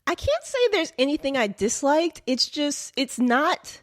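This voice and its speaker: A woman's voice: high voice, lively intonation, measured pace, a bit bright. An American woman co-hosting a podcast in a casual, conversational film review. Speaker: podcast co-host.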